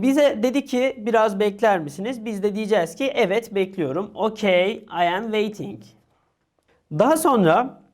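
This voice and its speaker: A Turkish woman with a fairly high, slightly mellow voice teaches an exam-prep English lesson. She reads each English phrase slowly, then explains it.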